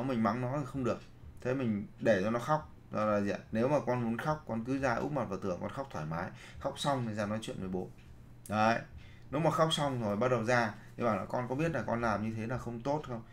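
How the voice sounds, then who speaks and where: A man's voice: lowish voice, vocal fry, slight background noise. Man lecturing a seminar. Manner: asks rhetorical questions, then answers them himself; addresses the audience directly and repeats key phrases. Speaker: leadership trainer.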